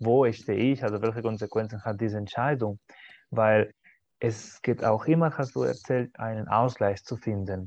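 Against a quiet background, a man talks at a moderate pace in a medium pitch. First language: not German (speaking German). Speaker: podcast host. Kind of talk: interview. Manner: halting, hesitant.

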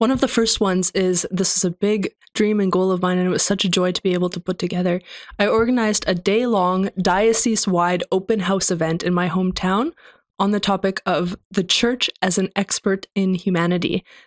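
On a very clean recording with a silent background and a dry, close sound with no echo, a woman with a Canadian accent and an ordinary speaking voice talks at a medium pitch and a fairly quick pace, with fairly even intonation and very even loudness. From Canada. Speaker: pro-life advocate. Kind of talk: interview. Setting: studio.

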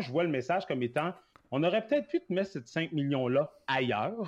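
In an ordinary speaking voice, a man talks at a moderate pace with lively intonation. The background is quiet. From Quebec. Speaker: podcast co-host. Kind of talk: casual chat. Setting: live stream.

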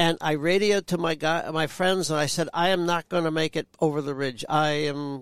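In a very clean recording with a silent background and a dry, close sound with no echo, a man with an unremarkable speaking voice talks in an American accent, his pitch fairly high and his intonation fairly even. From Upstate New York (Schenectady). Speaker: retired chemist and glider pilot. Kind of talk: casual chat. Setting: studio.

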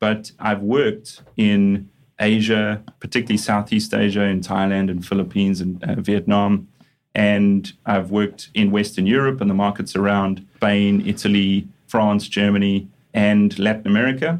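A man with a South African accent, fairly low in pitch, at a moderate pace with fairly even intonation. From South Africa, Johannesburg. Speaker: real estate tech executive. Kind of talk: podcast interview. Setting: studio.

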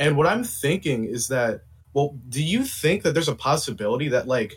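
Somewhat breathy, a man speaks at a moderate pace. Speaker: caller. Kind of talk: call-in discussion. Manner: hesitant, lots of 'like'.

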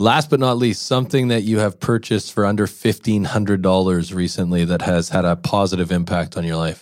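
Hardly pausing, a man speaks in a very deep, low pitch with ordinary pitch variation and a Canadian accent. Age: 40s. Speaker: podcast host and realtor. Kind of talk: podcast interview. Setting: studio.

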